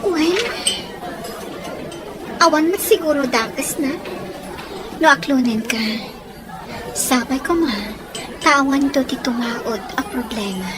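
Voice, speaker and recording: A woman's voice: sits high, expressive, slow pace, pauses often. A woman with a Filipino accent playing a shy, polite young sweetheart in a radio drama. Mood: hesitant, earnest. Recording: noisy ambience behind the voice. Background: crowd-like ambient noise.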